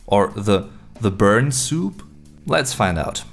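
Lively, unhurried German man thinking aloud. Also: lowish voice, creaky, faint music behind. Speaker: language video host. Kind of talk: casual language lesson. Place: small room indoors.

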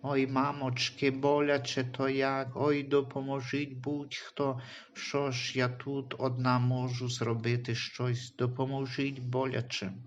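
A man's voice: medium pitch, monotone, unhurried, dull audio, slight background noise, lightly acted. A man voicing a desperate, selfish young mother in a Christian audio story, talking in a plaintive, self-justifying way. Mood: in pain.

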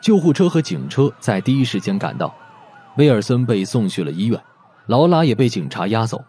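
A man's voice: medium pitch, big pitch swings, fairly quick, dark tone, slightly rough. A man narrating a scripted audiobook story expressively.

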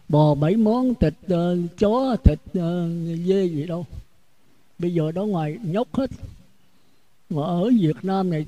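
Blunt Southern Vietnamese monk, high voice. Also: male voice, warm tone, no echo, poor audio. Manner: blunt, outspoken, repeats words while searching. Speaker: Buddhist monk preaching. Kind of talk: sermon.

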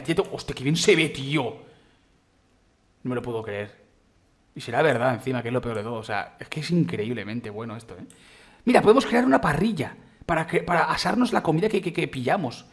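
A man with a Spain Spanish accent races through his let's-play commentary, words tumbling out quickly in a slightly high voice. He rambles, exclaims and gushes as he plays. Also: animated, husky. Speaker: gaming youtuber.

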